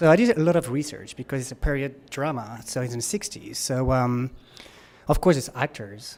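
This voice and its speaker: With a French accent, a man at a medium pitch talks at a fairly quick pace amid noticeable background noise. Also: ordinary pitch variation. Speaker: actor. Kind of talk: interview.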